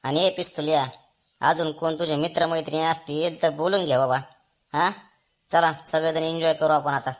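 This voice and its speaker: A man's voice: fairly high pitch, steady tone, normal speed, natural voice. Man playing a bossy village father. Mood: agreeable. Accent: rural Maharashtrian Marathi. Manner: commanding, colloquial. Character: bossy village father, gruffly chiding, then agreeable. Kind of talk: Marathi comedy cartoon dialogue.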